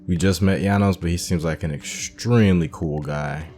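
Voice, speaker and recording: A man with an extremely deep voice talks casually through a video game playthrough. He sounds enthusiastic and uses slang as he reacts to what he sees. Faint game music sits under his voice. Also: moderate pace, darkish tone. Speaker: gaming channel host.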